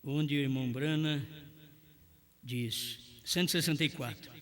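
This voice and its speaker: A man with a Brazilian Portuguese accent preaching a sermon, swinging from shouted lines to quiet ones. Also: fairly high pitch, a little slow.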